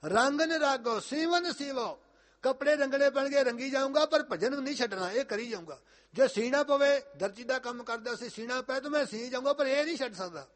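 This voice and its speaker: Male katha preacher, high-pitched, emphatic and repetitive, chants scripture. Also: fairly quick. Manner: emphatic, repeating lines with rising force. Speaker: Sikh preacher.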